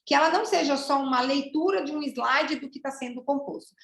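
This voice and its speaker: A Brazilian woman teaching teachers over a video call, chatty and lively, asking the group questions. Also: high-pitched, fairly quick, roomy sound, noisy background. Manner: warm, lively and chatty, with many "né?" asides. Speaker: teacher trainer. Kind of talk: online teacher training lesson.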